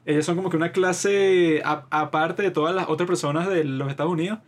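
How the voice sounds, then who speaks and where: Higher-voiced Venezuelan man chatting. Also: fairly even intonation, a little fast. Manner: talkative, slangy, opinionated. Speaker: podcast co-host. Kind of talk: casual chat.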